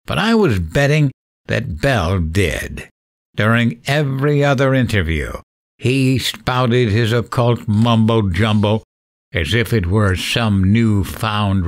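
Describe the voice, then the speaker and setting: Give the voice of a vengeful late-night radio host in an audio drama. He is low-pitched and unhurried, with theatrical swoops. He taunts deliberately, like someone driven mad by grief. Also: very animated, full character voice. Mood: brooding narration. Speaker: radio show host character.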